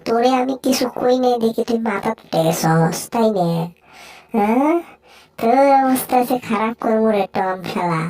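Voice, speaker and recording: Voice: mid-range voice, normal speed, darkish tone, recorded from a distance, natural voice. A performer voicing a hot-tempered male cartoon cat in a fan dub, grumbling threats and scolding. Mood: angry.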